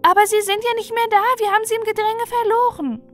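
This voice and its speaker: A woman voicing a group of eager young children in a bedtime storybook reading, raising her voice high and child-like. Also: steady tone, quick pace, faint music behind.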